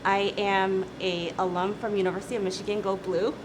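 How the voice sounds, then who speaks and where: A woman's voice: medium pitch, level tone, a little fast. Woman ceo chatting in an interview, laughs a lot, keeps saying right?, noisy room hum. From South Korea. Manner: chatty, laughs easily, says "right?" often. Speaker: company CEO, interview guest. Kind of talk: casual interview talk.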